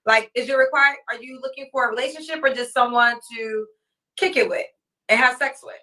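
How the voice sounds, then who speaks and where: High, bright-voiced woman host. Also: brisk, far from the mic. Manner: teasing, probing questions. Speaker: podcast host. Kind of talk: casual interview.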